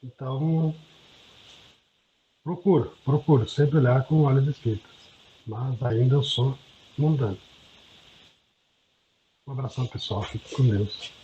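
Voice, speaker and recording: A man's voice: mid-range voice, steady tone, a little slow, long pauses, mellow, slight background noise. A man sharing earnest, self-deprecating reflections in a group discussion over a video call. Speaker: study group participant. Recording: dull lo-fi audio.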